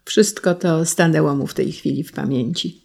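Gravelly, husky audiobook narrator. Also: mid-range voice, moderate pace, darkish tone. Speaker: audiobook reader. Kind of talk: scripted narration of a historical novel.

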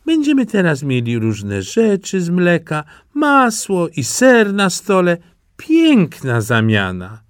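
A man's voice: high voice, wildly swooping pitch, takes it slowly, clean tone, no room sound, studio quality, voice pushed up, full character voice. A man voicing a doting, cheerful old farm wife who gushes with delight, in a storybook reading. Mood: gushing delight. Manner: gushing, delighted.

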